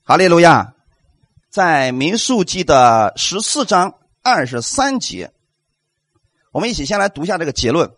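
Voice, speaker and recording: A male pastor preaching with a high voice that leaps up and down, pressing the congregation with rhetorical questions. He acts out what others might say in emphatic bursts. The sound is dry and close, with no room around it. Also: big pitch swings, moderate pace, fairly bright tone, no echo. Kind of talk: sermon.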